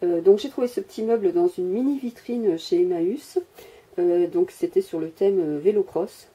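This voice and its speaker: A woman's voice: on the low side, normal speed, dark tone, slightly rough. A woman chatting casually while filming her handmade miniature workshop, rambling with many hesitations and joking at herself, picked up by the microphone of the camera she holds. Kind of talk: casual chatty show-and-tell. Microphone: handheld camera mic.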